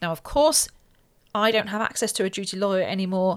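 In a very clean recording with a silent background, a woman with an English accent speaks at a medium pitch. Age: 40s. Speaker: podcast host and former radio presenter. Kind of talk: solo podcast talk. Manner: chatty, laughing at times.

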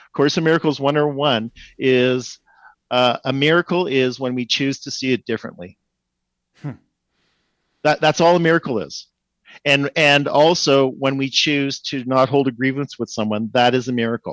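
Speaking with a Canadian accent in a fairly high voice, a man moves at a moderate pace with ordinary pitch variation and long, frequent pauses, captured in a dry, close sound with no echo. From Alberta, Canada. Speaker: marketer and forgiveness coach. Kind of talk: casual chat. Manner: halting.

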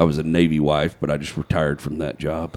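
A man speaks with a Texas accent. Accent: Texas drawl. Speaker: podcast guest. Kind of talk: casual chat.

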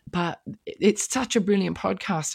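This woman has an Australian accent. She speaks with lively intonation. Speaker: author and podcaster. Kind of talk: interview.

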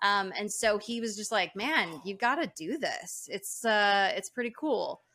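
Her fairly high voice has a bright, sharp tone and lively intonation. The woman takes a fairly slow pace. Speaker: real estate investor and author. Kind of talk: casual interview chat.

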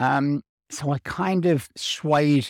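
A man with a London accent uses ordinary pitch variation in a dry, close sound with no echo. The recording is very clean, with a silent background. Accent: southern English (London). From North London, England. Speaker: author, retired IT consultant. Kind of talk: interview. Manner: hesitant, many fillers.

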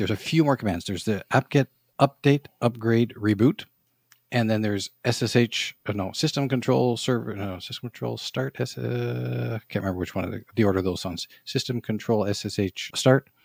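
On a very clean recording with a silent background and a dry, close sound with no echo, a man with an unremarkable speaking voice talks fairly quickly at medium pitch with ordinary pitch variation. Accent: Canadian. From Canada. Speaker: IT infrastructure and data protection consultant. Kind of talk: casual interview chat.

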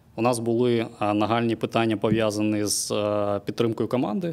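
Moderately paced male speech, medium in pitch, with ordinary pitch variation. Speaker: tech startup co-founder and volunteer. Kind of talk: interview. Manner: halting, many filler sounds.

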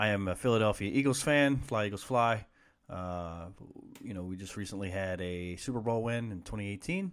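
A man speaks at a fairly quick pace with fairly low pitch and ordinary pitch variation. The recording is very clean, with a silent background. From Columbus, Ohio, US Midwest. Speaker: sports podcast host. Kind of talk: casual monologue.

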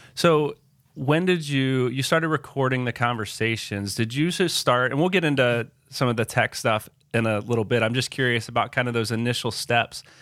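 On a very clean recording with a silent background, a man with an ordinary speaking voice talks at a fairly quick pace and medium pitch, with ordinary pitch variation and very even loudness. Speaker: podcast host. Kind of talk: interview.

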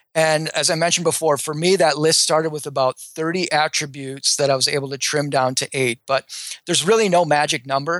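With an American accent and an ordinary speaking voice, a man talks at a fairly quick pace with a fairly high pitch and fairly even intonation, the sound dry and close with no echo over a quiet background. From US Midwest, Minnesota. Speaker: business founder. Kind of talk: interview.

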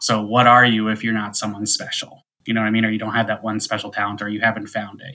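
Recorded very cleanly against a silent background, a man with an American accent talks at a medium pitch with a bright, sharp tone. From US South. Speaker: author and high school teacher. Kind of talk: interview.

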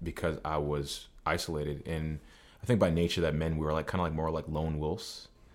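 Speaking with a slight Boston accent, a man talks at a very deep, low pitch with fairly even intonation and a fairly quick pace. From New England, Boston area. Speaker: personal trainer and fitness coach.

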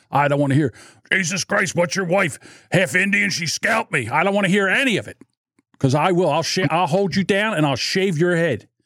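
The tone is bright and sharp, with a Philadelphia accent. The pace is fairly quick. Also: man, high pitch for a man. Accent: Delco (Philadelphia-area). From Delaware County, Pennsylvania. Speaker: podcast host. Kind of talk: casual chat. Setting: studio, live-streamed.

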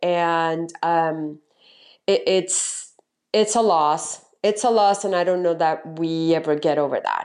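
A woman's fairly low-pitched voice in a Spanish accent, with fairly even intonation and a very slow pace. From Puerto Rico. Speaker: author and parenting blogger. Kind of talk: interview. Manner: halting, many fillers.

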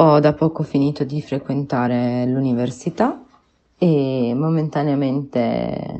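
Speaking very slowly, a woman uses a very deep, low pitch and fairly even intonation. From Turin, Mirafiori Sud. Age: 20s. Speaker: recent graduate, job seeker. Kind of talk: recorded interview monologue.

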